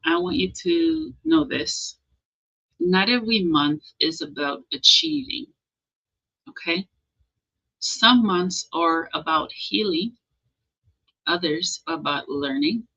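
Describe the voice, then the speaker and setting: A woman's voice: mid-range voice, bright, forceful tone, slightly rough, muffled recording. A woman hosting a motivational livestream, encouraging her viewers, often checking in with "okay?" and reading out their comments. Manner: reads out and answers viewer comments. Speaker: livestream host.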